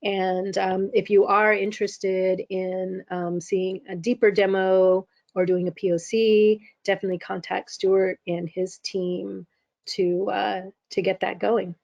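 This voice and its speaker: Hoarse woman presenting a webinar demo. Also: medium pitch, level tone, a little mellow, no room sound. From California. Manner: halting, many ums. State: losing her voice, clearing her throat. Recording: dull, lo-fi webinar audio.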